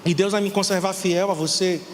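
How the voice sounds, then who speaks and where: High-voiced man preaching in a church. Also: steady tone, fairly quick, in a large hall, slight background noise. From Brazil. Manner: fervent, preaching to the congregation. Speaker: pastor. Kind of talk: sermon. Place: church hall.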